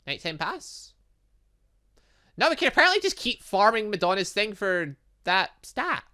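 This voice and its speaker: Casting: male let's play host, bright and very animated, casual and playful. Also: high-pitched, moderate pace, clear, resonant tone. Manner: playful, excitable asides, stumbles and interjections. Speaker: gaming video host. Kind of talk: casual let's play commentary, reading game dialogue aloud.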